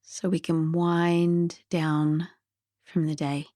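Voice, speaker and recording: A woman gently guiding a sleep meditation in a soothing, soft and breathy voice that drifts toward a whisper. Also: sits low, flat delivery, slow, no echo, studio quality. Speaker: meditation guide.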